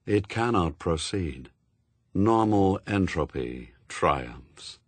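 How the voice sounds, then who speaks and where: A man voicing a solemn dark angel of death, slow and grave in a storybook reading. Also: sits low, animated, husky, dry recording, voice pushed down, exaggerated voice. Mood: grave, resigned. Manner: slow, grave, portentous delivery.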